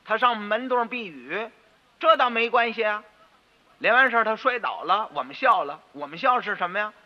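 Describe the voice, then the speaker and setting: A male storyteller voicing pompous, indignant stewards of a rich house, loud and blustering, on a dull radio recording with long reverb. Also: sits high, expressive, brisk, pitched above the performer's own voice.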